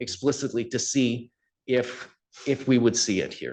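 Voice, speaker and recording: An unremarkable speaking voice talks at a moderate pace. The background is quiet. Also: man. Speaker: health researcher presenting a study. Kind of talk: research seminar presentation.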